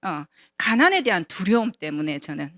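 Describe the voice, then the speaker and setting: Lively-voiced woman in her fifties. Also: on the low side, moderate pace, no room sound, clean studio sound. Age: 50s. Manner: conversational, asks the audience rhetorical questions. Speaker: invited speaker at a business seminar. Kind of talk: personal testimony talk to an audience.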